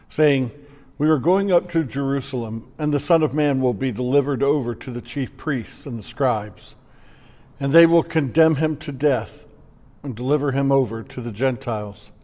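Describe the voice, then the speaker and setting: In a long, echoing reverb, a man with a mid-pitched voice reads scripture as a pastor. His phrasing is solemn, measured and deliberate. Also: darkish tone.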